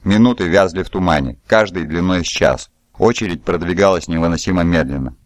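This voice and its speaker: A man narrating a novel in an even, storytelling way. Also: low voice, fairly quick, no room sound, clean studio sound. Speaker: audiobook narrator. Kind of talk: scripted narration.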